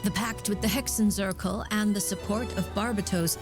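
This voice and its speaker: A woman playing a knowing, authoritative female mystic in a game, speaking gravely and formally. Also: mid-range voice, steady tone, moderate pace, lightly acted. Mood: composed, explanatory. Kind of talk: scripted game voice acting. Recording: loud music behind the voice. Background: loud game music.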